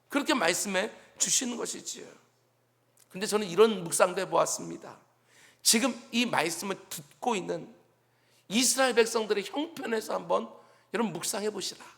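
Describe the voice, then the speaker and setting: A man's voice: high voice, gravelly, fairly bright tone. A male pastor giving an early-morning sermon, earnest and preaching with rhetorical questions to the congregation. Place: church sanctuary.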